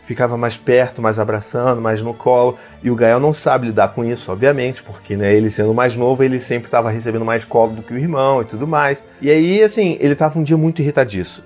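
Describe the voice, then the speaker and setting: A Brazilian man in his thirties talks quickly and casually to camera about raising his kids. His speech is loose and rambling, with lots of small fillers, at a middling pitch. Soft music plays faintly behind him. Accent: Brazilian Portuguese. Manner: rambling, full of fillers like "sabe" and "né". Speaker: parenting vlogger, father of two.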